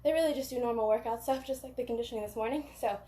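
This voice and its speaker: A woman's voice: on the high side, racing, warm tone. A woman coaching a gymnastics workout in a casual, self-deprecating way, out of breath from exertion. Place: indoor gym. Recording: echoey gym, roomy sound.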